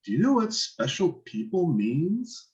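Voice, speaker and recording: A man's voice: sits high, very animated, a little slow. A man playing a casual, dismissive teenage boy from a garage band in a script table read. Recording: dull, lo-fi online call audio.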